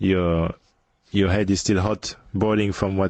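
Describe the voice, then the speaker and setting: This man has a very deep, low voice and a fairly even intonation. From France. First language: French. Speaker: professional footballer. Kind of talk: radio interview. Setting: radio studio. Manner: halting.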